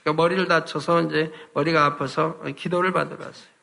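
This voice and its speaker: A man's voice: a little high, little pitch movement, fast talker, vocal fry, sharp tone. A man preaching a sermon as a pastor, earnest and full of rhetorical questions to the congregation.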